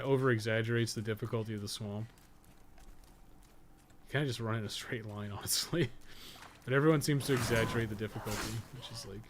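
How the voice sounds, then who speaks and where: A man's voice: on the low side, a little hiss or hum. A man giving casual, off-the-cuff video game commentary, rambling and thinking aloud with mild swearing. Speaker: podcast co-host playing a video game.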